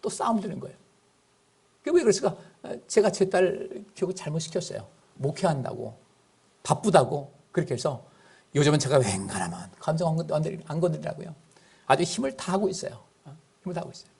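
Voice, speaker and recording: A man's voice: a little high, big pitch swings, brisk, vocal fry, darkish tone, slightly rough. A middle-aged male pastor preaching a sermon in a conversational way, often asking the congregation questions.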